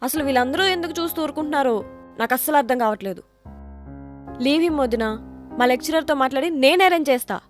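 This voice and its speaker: A woman voices an outspoken young student who speaks her mind. Her voice is high and insistent, with English words mixed in. Light music plays under the scene. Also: fast, pauses often, lightly acted. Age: young adult. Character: outspoken young college-going sister. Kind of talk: short film acting.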